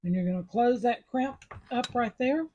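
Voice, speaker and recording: A woman's voice: a little high, moderate pace, warm tone, lo-fi sound, a little hiss or hum. A woman giving chatty, step-by-step instructions in a casual jewelry-making tutorial. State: sucking a mint after coughing.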